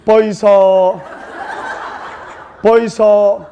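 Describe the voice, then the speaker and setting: Man putting on a young bride, Gyeongsang accent, loud calls, pleading, high. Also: level tone, drawn-out words, dull audio, slight background noise, exaggerated voice. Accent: Gyeongsang dialect.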